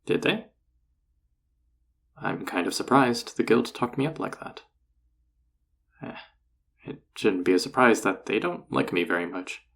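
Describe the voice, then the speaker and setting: A man playing a flirty, encouraging enchanter boss in an intimate roleplay audio drama, teasing and reassuring in a husky, gravelly voice. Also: lowish voice, animated, unhurried, long pauses, fairly bright tone, full character voice. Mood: surprised.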